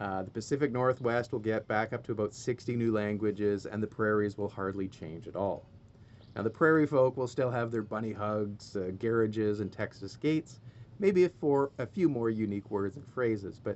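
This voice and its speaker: A medium-pitched man with a western Canadian accent, at a moderate pace and with ordinary pitch variation. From Canada, Okanagan Valley, British Columbia. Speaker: online commentator. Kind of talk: explainer monologue.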